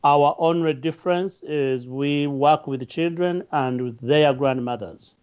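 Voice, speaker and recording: Ugandan man with a smooth, resonant voice. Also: a little high, measured pace. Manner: earnest, jokes with fellow panelists. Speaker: nonprofit founder, panelist. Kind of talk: panel introduction. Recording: muffled lo-fi audio.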